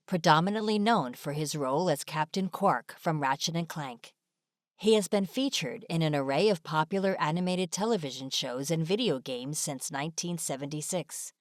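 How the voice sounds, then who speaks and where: A woman's voice: deep voice, no room sound, clean studio sound. A woman reading scripted narration for an online video as a voice-over. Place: close, dry voice-over recording.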